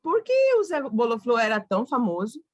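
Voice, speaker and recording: Halting Brazilian woman lecturing. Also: fairly high pitch, very animated, no room sound, clean studio sound. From Cuiabá, Brazil. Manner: hesitant, restarts phrases. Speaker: guest lecturer. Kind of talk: academic talk to an audience.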